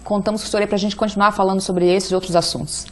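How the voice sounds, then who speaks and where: A female TV host with a Brazilian Portuguese accent leads a studio interview. She talks fast and brightly, and her questions are polite and eager. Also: mid-range voice. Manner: lively, quick, polite questions.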